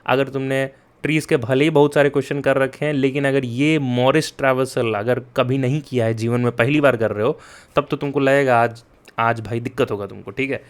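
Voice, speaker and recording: A young man, a coding tutor, giving a casual spoken lesson. He talks to his students directly, checks in with them often, and explains slowly and deliberately. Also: mid-range voice, steady tone, clean tone. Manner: mixes Hindi and English, chatty with frequent "yaar" and "theek hai?"; addresses students directly and urges them to take notes.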